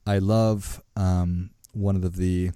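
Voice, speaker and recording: Low mellow-voiced man hosting. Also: level tone, slow pace, smooth, dry recording, studio quality. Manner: upbeat, with repeated words. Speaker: podcast host. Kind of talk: casual interview talk.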